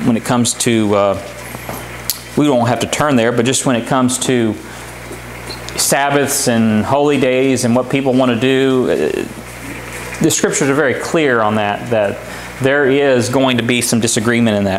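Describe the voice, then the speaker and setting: Over light background noise, a man talks at a moderate pace with long, frequent pauses, his loudness very even and his intonation fairly even. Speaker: lay preacher. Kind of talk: sermon. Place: home room.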